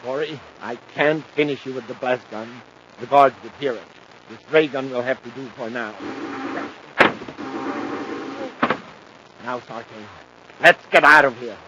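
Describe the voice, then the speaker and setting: A man's voice: mid-range voice, normal speed, background noise, natural voice. Man playing a pompous, imperious radio villain, muffled old recording. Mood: urgent, commanding. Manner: pompous, grandiose, theatrical. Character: vain, imperious aristocratic villain bent on ruling the universe. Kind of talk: 1950s radio adventure acting.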